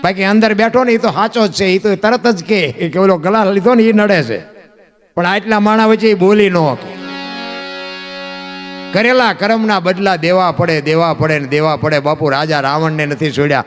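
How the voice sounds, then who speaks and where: A man's voice: sits high, fairly even intonation, moderate pace, faint music behind. A man from Gujarat, telling devotional folk stories in a rhythmic, repeating way. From Gujarat, India. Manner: rhythmic, repeats phrases for emphasis, addresses listeners as bapu. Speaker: folk storyteller.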